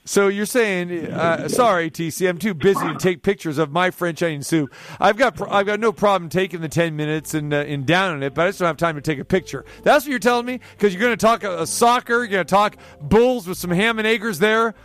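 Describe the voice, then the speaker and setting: A man's voice: high-pitched, a little fast, few pauses, fairly bright tone. A man hosting a sports radio show, chatting casually and teasing his guest, with many restarts.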